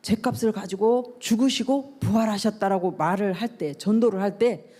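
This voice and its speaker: A woman's voice: mid-range voice, normal speed, dark tone. A middle-aged woman pastor preaching to a youth service, asking the young listeners questions and acting out the voices she quotes. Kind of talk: youth sermon. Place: church service.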